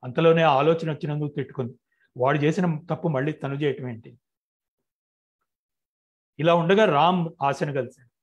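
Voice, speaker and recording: A man reading his own novel aloud in a steady, even storytelling manner. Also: a little high, normal speed, long pauses, dull audio.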